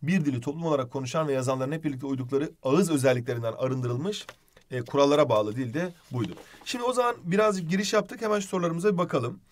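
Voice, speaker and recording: Male literature teacher, higher-pitched voice, explanatory recap style, talks students through examples. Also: fast. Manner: explanatory, addresses students as friends, writes on board while talking. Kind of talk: online lesson recap.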